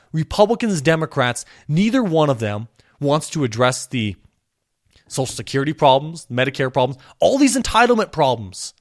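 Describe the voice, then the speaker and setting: A man hosting his own podcast, talking with impassioned energy, his voice a little hoarse from a cold. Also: no room sound, studio quality. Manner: impassioned ranting, pitch climbing when worked up. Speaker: podcast host. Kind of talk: solo podcast commentary.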